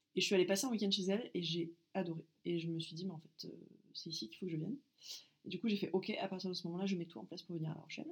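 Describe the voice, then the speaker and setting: Talking at a very fast pace, a woman with a fairly low pitch sounds somewhat breathy, her loudness swinging widely. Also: ordinary pitch variation. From central France (Loir-et-Cher, Blois). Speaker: illustrator and roller derby player. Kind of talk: casual interview chat.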